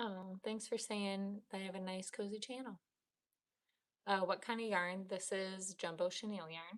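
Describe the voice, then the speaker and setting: Mumbling at a moderate pace with long, frequent pauses, a woman with an American accent speaks at a medium pitch. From Iowa, US Midwest. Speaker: crochet YouTuber. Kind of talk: live-stream crafting tutorial. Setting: YouTube livestream at home. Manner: casual, counting stitches aloud.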